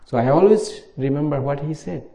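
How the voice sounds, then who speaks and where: A middle-aged Buddhist monk from Bangladesh with a Bangladeshi accent, giving an informal dharma talk in simple English at a meditation retreat. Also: male voice, fairly high pitch, brisk, creaky, warm tone.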